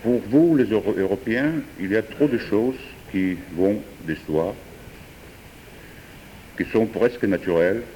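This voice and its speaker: A man, a French speaker, improvising a philosophical talk with hesitant pauses and fillers. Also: lowish voice, dark tone, slight background noise. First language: Georgian. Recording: distant voice in a reverberant hall.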